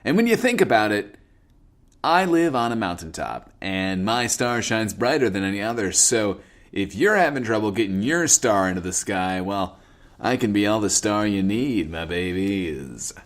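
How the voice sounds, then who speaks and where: An actor playing a vain, flirtatious post-apocalyptic radio host, smug and theatrical in a comedic audio drama. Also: male voice, on the low side, animated, moderate pace, natural voice. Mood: smooth, self-adoring. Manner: smug, theatrical, self-adoring.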